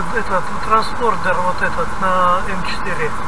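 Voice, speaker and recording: A man talks amid loud background noise, the sound dry with no echo. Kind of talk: casual phone conversation. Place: car. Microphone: camera far.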